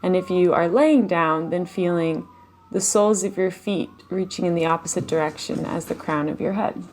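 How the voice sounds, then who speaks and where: Soft-spoken woman guiding a meditation. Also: on the low side, slight background noise. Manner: slow, soft guiding with long pauses and audible sighs. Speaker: meditation teacher. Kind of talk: guided meditation. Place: home, live online session.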